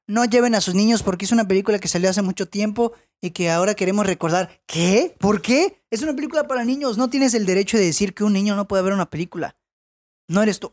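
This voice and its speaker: A podcast host with a Mexican Spanish accent reads listener stories in a relaxed, chatty way. The host keeps wandering off on tangents and slides easily into heated, opinionated rants. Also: medium pitch. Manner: chatty, goes off on tangents, gets worked up and ranting. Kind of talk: casual chat.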